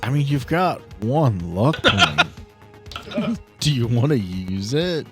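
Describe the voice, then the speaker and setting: A man's voice: mid-range voice, big pitch swings, slow pace, over music. A man acting as game master of a tabletop game, casually narrating the action and giving rulings.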